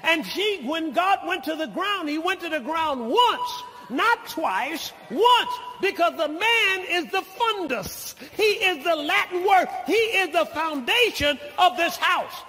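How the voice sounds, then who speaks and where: An older man preaching a sermon as pastor, teaching slowly and deliberately, then building to shouted lines and calls for amen. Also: very high-pitched, lively intonation. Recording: long hall reverb of a church.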